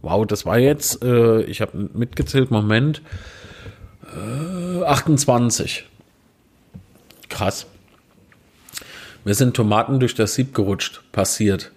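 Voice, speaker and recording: A man's voice: mid-range voice, expressive, slow, long pauses, darkish tone, slightly rough. A man reading out puns in a dry, plain way, with self-mocking asides, recorded indoors on a handheld recorder set on a small tabletop tripod. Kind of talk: casual joke reading.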